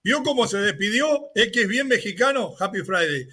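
A man's voice: high-pitched, big pitch swings, moderate pace, pushed and bright, husky. A man with a Uruguayan accent hosting casual sports talk on the radio, conversational and familiar with his colleagues.

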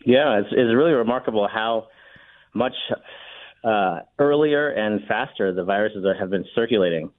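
A man who is an emergency room doctor, calling into a radio show and explaining things in a calm, plain manner. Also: fairly low pitch, moderate pace. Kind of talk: phone-in interview. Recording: tinny phone line.

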